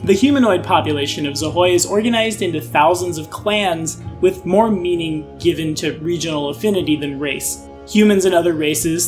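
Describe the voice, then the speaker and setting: A young man hosting an online channel, giving a casual overview of tabletop game lore with dry, sarcastic asides. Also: a little high. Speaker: YouTube host explaining game lore.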